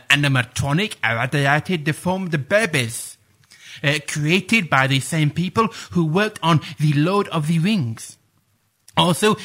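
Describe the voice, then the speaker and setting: Man doing a grandiose, hesitant playwright guest, full of uhs, slow talker, bright tone. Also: a little high. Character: pompous male playwright guest, flustered and stammering. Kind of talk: comedy radio sketch.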